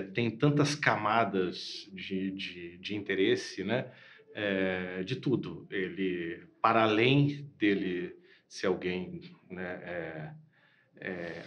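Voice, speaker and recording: A man with a lowish voice reflects on a film's central character. He pauses often, filling gaps with small hesitations as he builds his answer. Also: highs cut off. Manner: thoughtful, halting with fillers. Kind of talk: casual interview answers.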